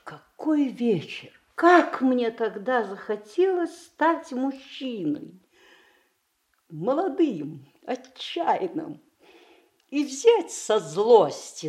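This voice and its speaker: An actress playing a reflective, wry mature woman in a Russian radio play, musing aloud with dramatic pauses. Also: medium pitch, a little mellow. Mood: wistful fervour. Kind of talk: Russian radio theatre monologue.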